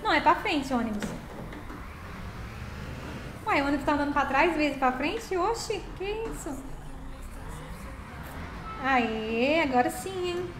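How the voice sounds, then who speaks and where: A woman's voice: high-pitched, lively intonation, slow pace, pauses often, echoey room, noisy background. A woman hosting a casual live stream while playing a game, chatty and thanking viewers by name.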